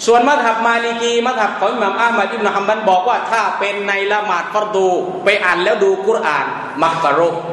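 A Muslim preacher giving casual religious instruction, often asking the audience rhetorical questions. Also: male voice, high voice, a bit bright. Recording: echoey hall with faint noise.

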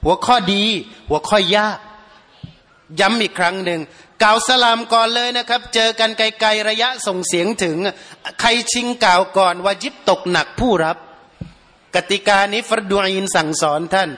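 A man's voice: high-pitched, normal speed, pushed and bright. A man, preaching a sermon earnestly, repeating his points for emphasis. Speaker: Muslim preacher. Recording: long hall reverb.

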